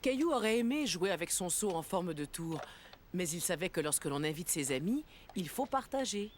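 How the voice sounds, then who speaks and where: A woman narrating a scripted children's story as an expressive storyteller. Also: lowish voice, moderate pace, slight background noise. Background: background music.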